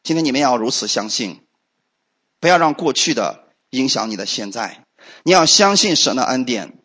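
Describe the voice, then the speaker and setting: A man's voice: medium pitch, expressive, moderate pace, bright, forceful tone, husky. A man preaching a fervent sermon as pastor, often putting questions to the congregation. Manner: fervent, rising and falling emphatically, asks the congregation questions.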